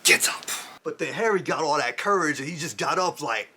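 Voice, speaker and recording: A man with an African American Vernacular English accent hosting a lesson, telling stories in a slangy, expressive way. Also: fairly high pitch, a little fast, a little hiss or hum. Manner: slangy, expressive, acts out stories with sound effects. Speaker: host of a language lesson series. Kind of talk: animated explanatory storytelling to camera.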